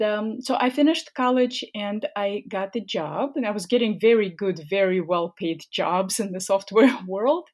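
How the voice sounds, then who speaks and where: A woman's voice: medium pitch, darkish tone. A middle-aged woman from Russia with a Russian accent, a cooking teacher talking animatedly in an interview and laughing often. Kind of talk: conversational interview.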